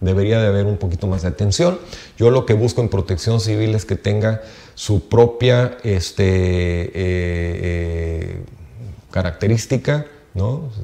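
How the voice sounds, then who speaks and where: A man speaks very slowly at a fairly low pitch, with ordinary pitch variation. His tone is dark and mellow. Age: 60s. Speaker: civil protection director. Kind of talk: interview. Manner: halting, many fillers.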